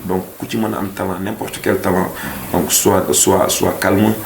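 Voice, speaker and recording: Man, very low voice, earnest singer guest, echoey room, faint background noise. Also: flat delivery, normal speed, gravelly. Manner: earnest, mixing French and Wolof. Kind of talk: casual interview chat.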